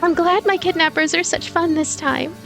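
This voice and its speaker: A woman's voice: very high-pitched, fairly even intonation, moderate pace, vocal fry, fairly bright tone, voice pushed up, exaggerated voice. A woman voicing a polite, cheerful young ghost girl in a visual novel game. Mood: light amusement. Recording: music behind the voice.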